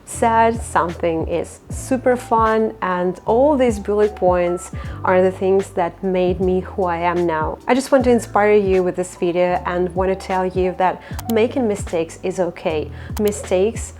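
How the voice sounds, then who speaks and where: A woman's voice: on the low side, measured pace, a little mellow, faint music behind. Chatty Russian-accented woman in her thirties. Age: 30s. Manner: chatty, reflective, non-native phrasing with fillers. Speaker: vlogger. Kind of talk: casual personal vlog.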